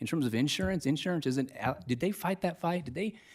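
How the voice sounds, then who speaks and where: Very fast man's voice with lively intonation, on a very clean recording with a silent background. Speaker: public commenter at county meeting. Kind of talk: public comment. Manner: loud.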